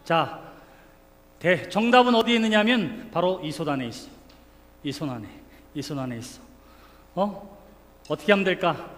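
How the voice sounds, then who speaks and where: A man's voice: high-pitched, expressive, normal speed, pauses often, fairly bright tone. A man leading a playful children's sermon as pastor, coaxing the kids and calling them by name. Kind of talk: children's sermon with a live demonstration. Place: church sanctuary. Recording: reverberant hall, faint room noise.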